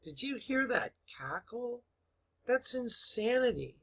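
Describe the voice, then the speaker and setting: A man's voice: extremely high pitch, big pitch swings, slow, vocal fry, sharp tone, slightly rough. A man giving informal commentary on clips, speaking in an emphatic, repetitive and incredulous way. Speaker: online video commentator. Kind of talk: informal opinion commentary over played clips.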